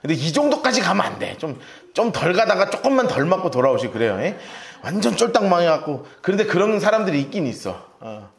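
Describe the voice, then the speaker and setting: A middle-aged male pastor preaching an expository Bible-study sermon, telling his story in an animated way, acting out shouted cries and telling listeners to mark verses. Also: high-pitched, quick pace, few pauses. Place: church sanctuary.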